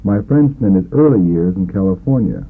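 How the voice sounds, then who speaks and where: A man leading scripted substitution drills as a language course narrator, in a deliberate, instructional manner. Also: low-pitched, expressive, husky. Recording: narrow, phone-like old lesson tape.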